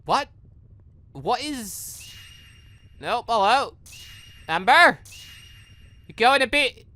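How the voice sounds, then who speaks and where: An excitable gaming video host giving rambling let's play commentary, with exclamatory, theatrical reactions. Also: mid-range voice, very slow. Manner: rambling, self-confessed ranter.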